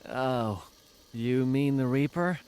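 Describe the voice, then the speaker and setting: A man's voice: mid-range voice, slow, a little mellow, smooth, close to an everyday voice. A man playing an affectionate, joking young boyfriend in a naturalistic audio drama. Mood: amused, teasing.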